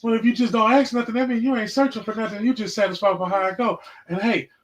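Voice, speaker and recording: A man in his forties hosting a casual livestream podcast, mixing loud, repetitive outbursts with profane, slangy sermon-like talk. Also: high-pitched, steady tone, fast talker. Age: 40s. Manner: profane, slangy, calls out viewers. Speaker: podcast host. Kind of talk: casual preaching and chat. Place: livestream, home setup.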